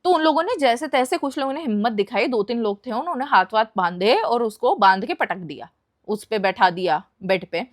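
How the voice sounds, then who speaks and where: A young woman casually narrating a spooky story, mixing Hindi and English in an animated way. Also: on the high side, fairly quick.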